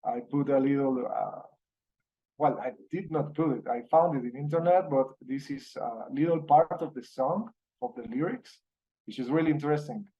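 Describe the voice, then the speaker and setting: A man with a Colombian Spanish accent, a native Spanish speaker giving an online university lecture in English over a video call, halting with many fillers and restarts. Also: medium pitch, lo-fi sound. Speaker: university professor.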